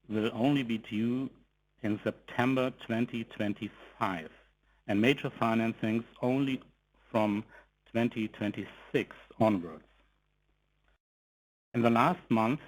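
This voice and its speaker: A man giving a formal, measured corporate presentation, reading from a script in short phrases as an executive on an investor call. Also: mid-range voice, darkish tone, slight background noise, rough recording. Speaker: company executive presenting financial results.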